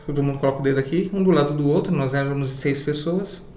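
A man with a Brazilian Portuguese accent, telling a story casually in an interview, animated and swearing. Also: on the high side, fast, echoey room. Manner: animated, swearing, acts out voices in his story.

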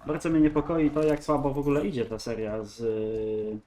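A man's voice: mid-range voice, completely flat delivery, a little fast, dark tone, a little hiss or hum. A man with a congested, nasal voice giving casual gameplay commentary, rambling and thinking aloud. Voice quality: nasal, stuffy nose. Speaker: gaming video host.

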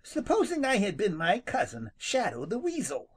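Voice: mid-range voice, wildly swooping pitch, moderate pace, breathy edge, voice pushed up. A narrator doing a sly, teasing skunk. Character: sly, grinning male skunk, good-natured.

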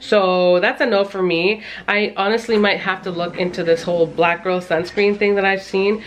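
A woman's voice: medium pitch, moderate pace. Chatty woman vlogging at home. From Canada. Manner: chatty and animated, with frequent laughs. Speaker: family vlogger. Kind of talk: casual vlog chat. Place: home kitchen indoors. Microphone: handheld camera at arm's length.

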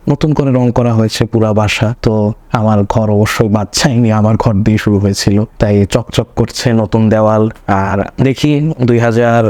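A young man speaks in a fairly low voice that is slightly hoarse from a cold. He rambles casually through a personal vlog at home, often stopping to rephrase himself. The sound is dry and close, with little room around it. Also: dark tone, dry recording. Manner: rambling, self-correcting, searching for words. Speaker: vlogger.

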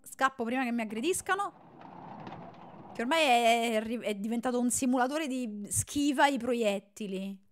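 A young woman streamer giving casual live commentary on a horror game, excitable, joking and yelling threats at the characters on screen. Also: fairly high pitch, normal speed, a little hiss or hum. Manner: excitable, yells and jokes at the game.

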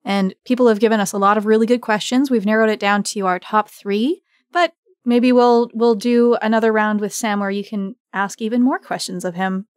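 A woman's voice: medium pitch, fairly even intonation, normal speed, clean tone, no echo, studio quality. A woman hosting a conversational interview, putting questions to a guest. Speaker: interviewer, host.

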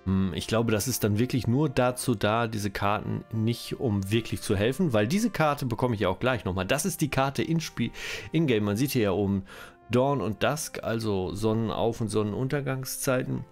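A man's voice: fairly low pitch, normal speed, faint music behind. A German-speaking man with a cold, giving rambling, self-correcting commentary while playing a strategy game. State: has a cold, coughing. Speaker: let's-play host.

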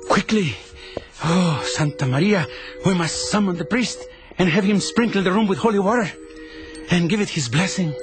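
An actress playing a fretful, superstitious hotel maid in a radio drama. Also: female voice, lowish voice, normal speed, close to an everyday voice. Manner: fretful, pious. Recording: radio play with music behind.

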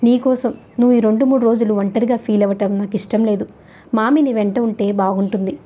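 A woman reading the lines of an earnest, protective young husband in a gentle but firm, low voice. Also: steady tone, a little fast, highs cut off, close to an everyday voice.

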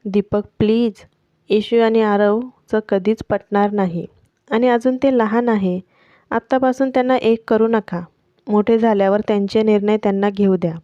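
A woman reading the part of a calm, firm young mother who speaks in a measured way, in a dull, dry lo-fi recording. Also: mid-range voice, no echo, natural voice.

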